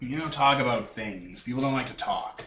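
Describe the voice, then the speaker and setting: In a put-on character voice, a man with a medium pitch speaks at a moderate pace with ordinary pitch variation. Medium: actual play. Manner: muttering, ominous.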